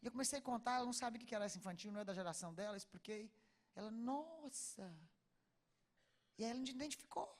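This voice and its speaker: A Brazilian woman preacher telling a personal story in a sermon, acting out the dialogue and swinging from hushed to loud. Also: a little high, very fast. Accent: Brazilian Portuguese.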